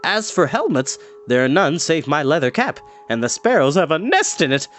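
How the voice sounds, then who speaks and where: Man playing a hearty, wry old warrior, animated. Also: on the high side, normal speed, soft background music. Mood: wry, cheerful. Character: cheerful, stout old male warrior, homely humor. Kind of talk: storybook character voice.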